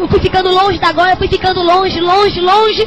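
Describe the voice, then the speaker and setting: The speaker has an animated tone and a fairly quick pace. Music plays in the background. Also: woman. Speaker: preacher giving testimony. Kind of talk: testimony.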